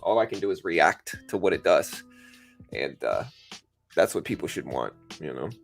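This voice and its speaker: A man with a raspy voice hosting a live trading stream, talking to chat in a laid-back, slangy way. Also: low voice, lively intonation, moderate pace. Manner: laid-back, slangy, addressing viewers as bro. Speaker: livestream host, stock trader. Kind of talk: casual live market commentary with chat. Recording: music playing behind the voice. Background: music.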